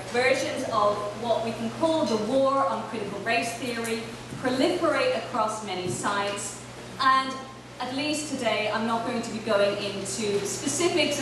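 A woman raised in Ireland giving an academic keynote lecture at a panel table, speaking in a measured, thoughtful way with frequent fillers. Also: a little high. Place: large hall, on stage at a panel table. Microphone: table microphone, heard from far off. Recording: echoey hall from far off, noisy.

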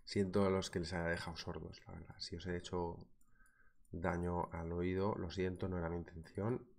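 A man's voice: sits low, normal speed, creaky. A man in his thirties with a Spanish accent from Spain, hosting a live trading webinar from a small room, talking through a sore throat from a cold. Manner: lively, chatty, addresses viewers directly. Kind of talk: live market analysis webinar, reading viewer comments. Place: small indoor room at a desk.

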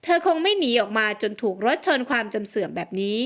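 A woman narrating a romance audiobook in a steady, expressive reading. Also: a little high, quick pace. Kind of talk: scripted narration.

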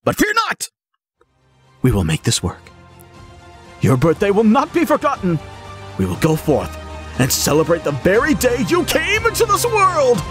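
A man's voice: very high-pitched, normal speed, long pauses, faint music behind, voice pushed up, full character voice. A man voicing an exuberant, affectionate young jock boyfriend in a playful, dramatic roleplay audio addressed to the listener. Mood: grandly dramatic. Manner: excitable, playful, theatrically dramatic.

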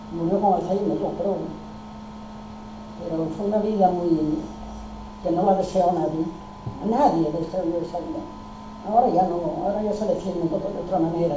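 A woman's voice: lowish voice, background noise. An older woman, emphatically recounting family memories and acting out old conversations. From Spain. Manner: emphatic, restarts often, acts out dialogue. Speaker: oral history participant. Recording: roomy, distant, dull lo-fi recording.

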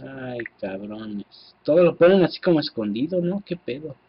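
A man with a Mexican accent giving casual, excitable gameplay commentary, swearing freely and talking to his viewers. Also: mid-range voice, normal speed, dull audio, a little hiss or hum. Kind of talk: casual let's-play commentary.

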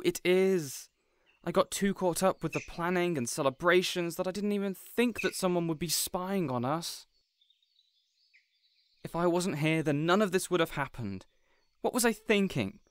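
Man playing a flustered, higher-pitched inept would-be villain. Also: animated, a little slow, clear, resonant tone, no echo. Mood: distraught, self-blaming. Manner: flustered, self-blaming, urgent. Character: anxious, well-meaning, inept young male would-be supervillain. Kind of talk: audio roleplay acting.

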